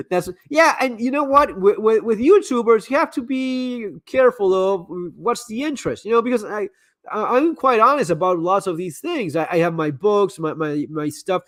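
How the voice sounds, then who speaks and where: This live stream host has a high-sitting, fairly bright voice at normal speed, captured in clean studio sound with no echo. Answering viewer messages, he offers candid advice in casual chat, frequently stammering and repeating words as he restarts his sentences.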